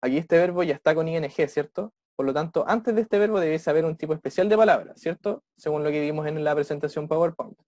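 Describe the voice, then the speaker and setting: An English teacher, giving an online class over a video call, who ends nearly every phrase with a checking question and slows down to model English phrases. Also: medium pitch, dark tone, no echo.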